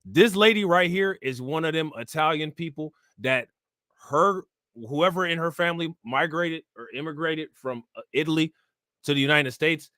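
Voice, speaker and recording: A man's voice: a little high, normal speed, pushed and bright, dry recording, clean studio sound. A man reacting to news clips as a streamer, talking in loose slang and laughing often. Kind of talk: casual commentary.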